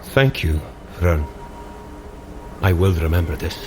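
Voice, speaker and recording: A hearty thunder god in a fantasy audio drama. The voice is low and commanding, yet friendly and encouraging, with formal, archaic phrasing. Music plays clearly underneath. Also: male voice, expressive, takes it slowly. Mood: sincere, firm. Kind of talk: scripted audio drama acting.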